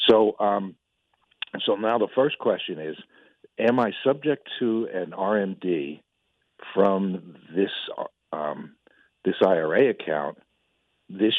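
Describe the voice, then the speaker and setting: Speaking at a very slow pace, a man uses a fairly low pitch with ordinary variation. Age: 70s. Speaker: caller. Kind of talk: phone-in question. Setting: phone call.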